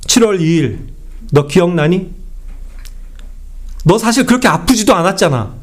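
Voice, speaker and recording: A stern male Lord sits in judgment and rebukes each servant with pointed questions, as a preacher acts him out. His voice is set lower than the preacher's usual high, lively tone. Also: normal speed. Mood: reproachful. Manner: reproachful, questioning.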